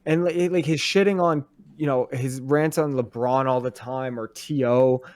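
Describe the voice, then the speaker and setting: A man's voice: mid-range voice, steady tone, normal speed, darkish tone, no echo. A young man co-hosting a sports podcast, talking in a heated, profane, worked-up way. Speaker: podcast co-host. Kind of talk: casual sports chat.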